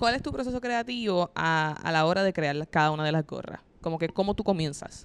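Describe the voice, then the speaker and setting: Fairly low in pitch for a woman, she talks at a fairly quick pace in a Puerto Rican accent with lively intonation. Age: 20s. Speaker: podcast host. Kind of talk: interview.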